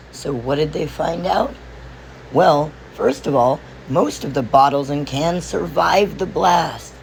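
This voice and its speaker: A man with a raised, gravelly voice that has gone hoarse from losing it hosts an explainer vlog. He tells the story in an animated, playful way, leaning into the big reveals. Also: on the high side, a little hiss or hum, poor audio. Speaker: video host.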